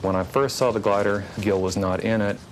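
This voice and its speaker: Man, very low and monotone, calm interview testimony, noisy backdrop. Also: brisk. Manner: calm, matter-of-fact recollection. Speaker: hang glider pilot, witness.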